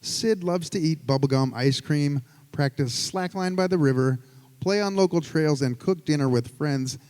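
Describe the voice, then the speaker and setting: A man hosting a live storytelling night, reading a prepared introduction of the next speaker in a measured way. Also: on the high side, a little mellow. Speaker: event host introducing storytellers. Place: live event venue with long reverb. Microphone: stage microphone. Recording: live hall with long reverb.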